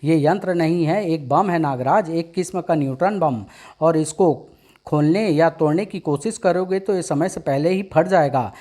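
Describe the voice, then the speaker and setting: A man's voice: fairly high pitch, moderate pace, mellow, natural voice. A man voicing an invisible, bodiless male supervillain from a comic story, boastful and menacing. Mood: gloating.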